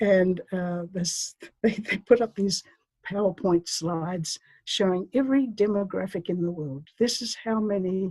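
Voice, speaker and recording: In an Australian accent, a woman speaks at a fairly slow pace with a medium pitch, ordinary pitch variation and a dark, mellow tone, the sound dry and close with no echo. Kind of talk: interview testimony.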